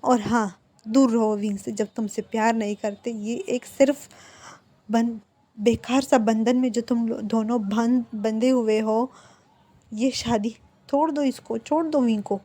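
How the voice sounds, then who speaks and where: A woman's voice: a little high, fairly even intonation, unhurried, dark tone, no room sound. A woman voicing a protective young man who scolds and challenges his friend's husband. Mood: angry.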